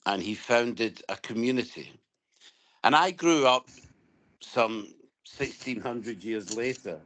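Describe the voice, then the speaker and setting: A man's voice: fairly low pitch, fairly bright tone, rough recording. A middle-aged Scottish man, a guest in an interview, speaking reflectively and chuckling now and then. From Scotland. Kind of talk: relaxed interview conversation.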